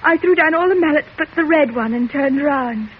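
An actress playing a frightened, hysterical young daughter who answers in a trembling, tearful voice, in 1940s radio drama style. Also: female voice, high-pitched, a little fast, close to an everyday voice. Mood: shaken. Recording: tinny old radio broadcast with hiss.

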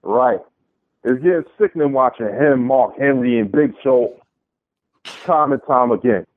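A man's voice: mid-range voice, a little slow, no echo. Brooklyn accent guy calling into a radio show, dry thin phone sound, chatting casually. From Brooklyn, New York. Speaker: phone-in caller. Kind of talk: casual sports fan chat. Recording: narrow tinny phone line.

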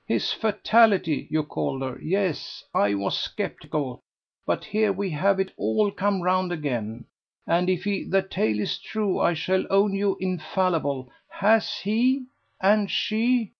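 A man voicing an excitable, gossipy older society lady who gushes and pleads breathlessly. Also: sits high, unhurried, creaky, highs cut off, pitched above the performer's own voice, heavily acted. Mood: gushing.

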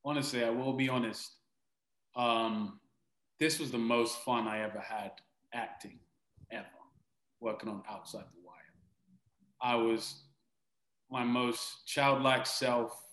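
A British man speaks as an interview guest, earnest and reflective, often pausing to restart a thought. His voice is bright and forward. The room around him is noticeably echoey. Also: medium pitch, steady tone. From Britain. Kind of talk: conversational interview answers.

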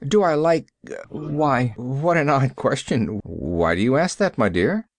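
A troubled, stern minister with a deep voice and a grave, preaching cadence, as a man drops his voice to play him. His lines swing between heavy, slow stresses and sudden lifts. The sound is dry and close, like a quiet audiobook read. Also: expressive, no room sound. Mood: weary. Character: troubled, stern middle-aged male minister.

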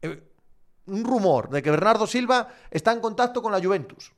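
Casting note: high-pitched Asturian man, sports journalist, animated, swears, answers fans live. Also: moderate pace. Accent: Asturian Spanish. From Asturias, Spain. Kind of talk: casual live chat.

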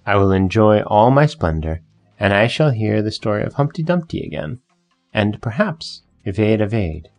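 A man's voice: fairly low pitch, lively intonation, moderate pace, a little mellow. A man voicing a wistful young fir tree. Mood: dreamy. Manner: wondering, longing questions. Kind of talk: storybook reading.

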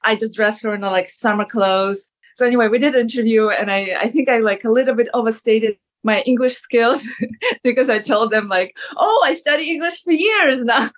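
Ukrainian-accented woman, lively storyteller. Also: on the high side. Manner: lively storyteller, laughs often, many "like"s. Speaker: actress, guest. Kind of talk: casual interview.

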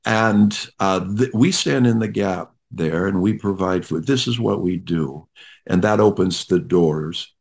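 A man speaking as a ministry leader guest in an interview, halting with many fillers but friendly. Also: low voice, creaky, darkish tone.

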